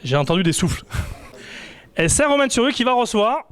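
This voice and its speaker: High-voiced man announcing a cup draw. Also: big pitch swings, fast talker, fairly bright tone. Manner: chatty, hesitant, many fillers. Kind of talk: casual live announcing.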